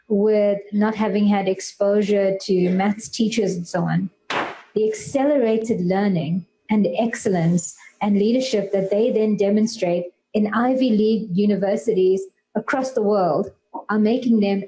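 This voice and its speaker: A woman answers as a panelist at a public event. Her voice sits at an average pitch with a dark, relaxed tone. She speaks thoughtfully and deliberately, composing her points as she goes. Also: rough recording. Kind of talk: extemporaneous panel remarks.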